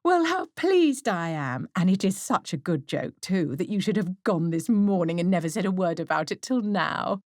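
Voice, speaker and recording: A woman's voice: on the low side, big pitch swings, normal speed, hardly any pauses, darkish tone, dry recording, clean studio sound, pitched above the performer's own voice. A woman voicing a flighty, nervous middle-aged mother in an audiobook, exclamatory and easily aggrieved or gushing. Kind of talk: audiobook character acting.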